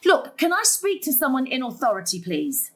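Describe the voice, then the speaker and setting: A woman's voice: high voice, wildly swooping pitch, moderate pace, fairly bright tone, heavily acted. A woman acting a harried middle-aged mother and carer in a stage drama, exasperated, emphatic and snappy. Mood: strained, pleading. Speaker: stage actor. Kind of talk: dramatic dialogue in a play.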